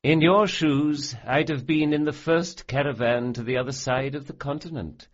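A man's voice: medium pitch, normal speed, lo-fi sound, pitched above the performer's own voice, close to an everyday voice. A man voicing a smug, cruel male sorcerer who sneers and relishes every cruelty. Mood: gloating.

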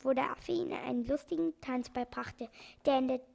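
A woman reads a children's story aloud, chapter by chapter. Her voice sits high, and she narrates in a calm, clear, even manner. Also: a little fast. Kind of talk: reading a children's book aloud.

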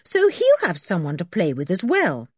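A woman voicing an eager schoolboy who talks in a bright, lively way. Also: fairly low pitch, normal speed, breathy edge, no echo, studio quality, pitched above the performer's own voice, full character voice. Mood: cheerful. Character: eager schoolboy, cheerful and chatty.

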